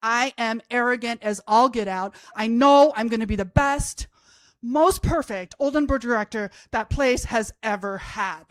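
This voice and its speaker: Her voice is on the high side and unhurried, with no echo, as this Austrian woman in her fifties, a language professor, recounts a comic personal story on a college stage. Her humor is wry and self-deprecating.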